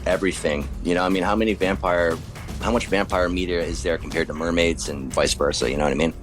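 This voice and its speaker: A man's voice: sits low, fairly even intonation, fast talker, over music. A man speaking informally and modestly as an author being interviewed in a casual chat.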